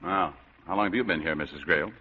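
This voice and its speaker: Wisecracking hardboiled detective, real low voice, dull old radio sound. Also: male voice, fairly quick, bright, forceful tone, slight background noise. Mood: wry. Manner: wisecracking, sardonic. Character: hard-boiled male private eye, sardonic, weary. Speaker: private detective. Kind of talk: 1940s radio acting.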